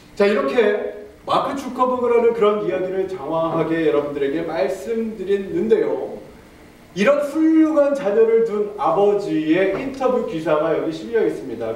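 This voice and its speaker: A man's high voice with very wide pitch swings, amid audible room echo and noticeable background noise. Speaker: pastor. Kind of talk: sermon. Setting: church.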